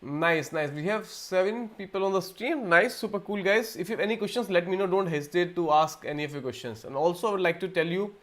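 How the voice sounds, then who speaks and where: A man's voice: sits high, fairly quick, hardly any pauses. Indian man hosting a rambling livestream. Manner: rambling with frequent restarts and repeated words. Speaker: livestream host. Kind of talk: casual live Q&A talk.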